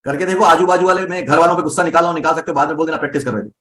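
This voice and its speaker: A man teaching a live voice class, explaining breathing, volume and pitch with everyday examples and often checking whether students follow. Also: steady tone, rapid-fire, fairly bright tone. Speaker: voice coach.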